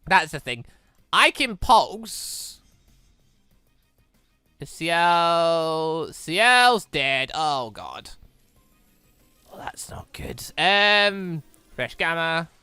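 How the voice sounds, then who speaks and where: Gamer doing a casual playthrough, bright voice that jumps around a lot, thinking out loud, music behind. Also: medium pitch, lively intonation, drawn-out words, pauses often, clear, resonant tone, dry recording. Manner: muttering game moves, thinking aloud. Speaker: gaming video host. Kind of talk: casual let's play commentary.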